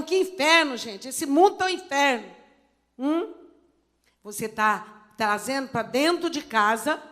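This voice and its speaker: A middle-aged woman pastor with a Brazilian Portuguese accent, preaching a sermon with expressive swings between loud emphasis and quiet asides. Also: high voice. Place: church service.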